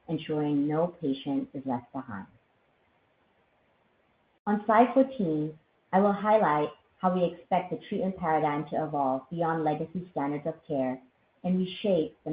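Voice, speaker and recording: A woman executive giving a formal, measured scripted presentation on a corporate earnings call. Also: deep voice. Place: conference call line. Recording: thin phone-like line, roomy echo, faint noise.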